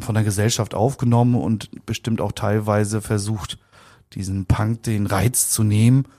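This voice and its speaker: Being interviewed, a man of roughly fifty reminisces in a relaxed, conversational way, rambling, speaking colloquially, and repeating words often. He has a lowish, warm voice.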